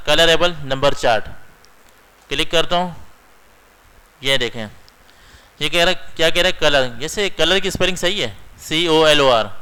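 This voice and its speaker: Bright, crisp male computer instructor. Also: a little high, rough recording. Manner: explains step by step, keeps checking in with "theek hai". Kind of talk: screen-recorded computer lesson.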